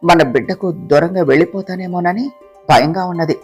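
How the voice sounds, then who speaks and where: A storyteller voicing a frightened young wife who pleads with her husband through tears, soft guitar playing behind. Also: mid-range voice, brisk, breathy edge. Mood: tearful. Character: tearful young pregnant wife, fearful and devoted. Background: soft guitar music.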